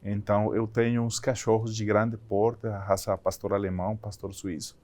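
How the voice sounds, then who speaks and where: A man's voice: lowish voice, little pitch movement, normal speed, darkish tone. A man from Colombia, a Spanish speaker, talking conversationally as an interview guest and often restarting his phrases. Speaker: company CEO, interview guest.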